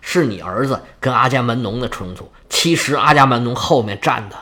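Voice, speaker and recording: A man doing a hushed, lordly king of gods. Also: mid-range voice, animated, a little fast, voice pushed down. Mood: guarded. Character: king of gods, male, guarded and boastful.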